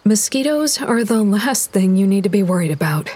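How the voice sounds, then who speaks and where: A woman's voice: mid-range voice, lively intonation, moderate pace, mellow, husky. A woman voicing a frightened, breathless young woman in a rattled manner.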